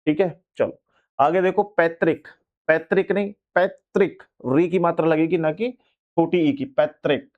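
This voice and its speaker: Hindi grammar teacher, man, higher-pitched voice, casual and repetitive drill-style delivery, slightly muffled lo-fi sound. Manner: repeats each word several times, checks in with "ठीक है" and "भाई". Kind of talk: online exam-prep lesson.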